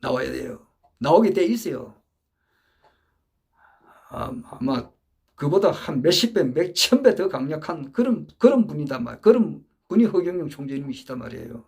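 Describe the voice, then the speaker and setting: High, lively-voiced man lecturing emphatically. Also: normal speed, creaky, husky. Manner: emphatic, repetitive, often restarting phrases. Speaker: political supporter giving a talk. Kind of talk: earnest monologue lecture.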